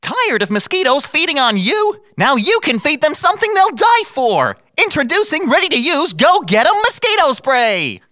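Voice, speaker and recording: A man voicing an excitable bargain announcer in a punchy hard-sell commercial. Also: extremely high pitch, voice pushed up, heavily acted. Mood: urgent, gleeful. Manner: punchy list-reading with drawn-out repeats. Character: shouty, excitable male retail bargain announcer.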